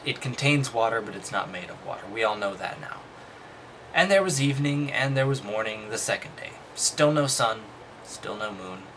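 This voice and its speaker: A man's voice: on the low side, bright, forceful tone, slight background noise, low-quality recording. A man reading a text aloud and commenting casually, with dry, skeptical, dismissive asides. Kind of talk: casual commentary between read-aloud passages.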